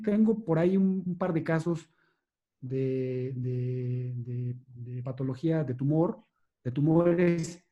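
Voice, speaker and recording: A man, a neurosurgeon giving a measured, explanatory lecture and answering questions, with hesitations and restarts. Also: on the high side, dark tone.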